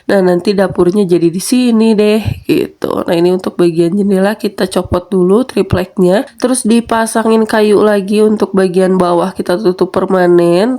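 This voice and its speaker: A young woman with a hoarse voice, narrating her home renovation in a chatty way, often addressing viewers as friends. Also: mid-range voice, mellow. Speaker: home vlogger.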